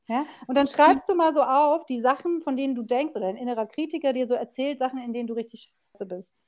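A woman's voice: high-pitched, quick pace, a little mellow. A woman in her forties from Berlin, a therapist talking as a podcast guest in a candid, chatty, colloquial way with plenty of fillers. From Berlin, Germany. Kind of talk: casual podcast interview.

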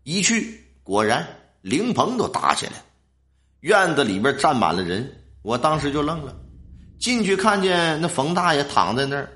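A man's voice: medium pitch, fairly bright tone. A man telling a ghost story in a colloquial, dramatic way.

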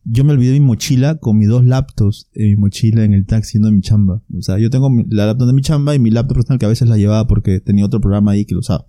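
A young man with a Peruvian accent telling a funny story as a podcast guest, animated and acting out quotes. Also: lowish voice, racing, few pauses, no room sound, studio quality. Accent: Peruvian Spanish. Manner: animated, laughing, acts out quotes. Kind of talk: casual storytelling.

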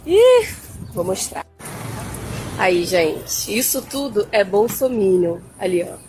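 A woman's voice: medium pitch, takes it slowly. A woman giving scornful, gossipy live commentary while filming a protest camp outdoors on her phone. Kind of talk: mocking live street commentary. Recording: phone video with loud outdoor noise.

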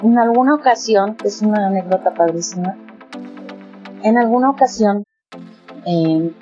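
A woman's voice: medium pitch, normal speed, warm tone. A Mexican woman, the guest, telling anecdotes in a chatty way, full of fillers. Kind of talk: casual storytelling chat. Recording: dull lo-fi audio with faint music.

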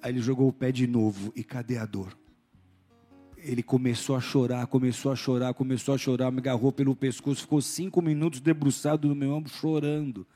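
A man's voice: medium pitch, quick pace, hardly any pauses, faint music behind. A man, preaching a sermon as a pastor and telling stories animatedly, acting out the voices in them. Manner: animated storytelling, acting out voices, shouting at peaks.

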